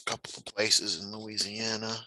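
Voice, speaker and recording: A man's voice: lowish voice, flat delivery, moderate pace, pushed and bright, no room sound, poor audio. A man from the United States, chatting eagerly in a casual conversation. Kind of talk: casual chat.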